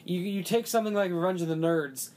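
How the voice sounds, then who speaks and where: Casual podcast co-host, mid pitch, rambling, filler-heavy delivery. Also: fast, darkish tone. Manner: rambling, heavy use of "like", many restarts. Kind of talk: casual movie discussion.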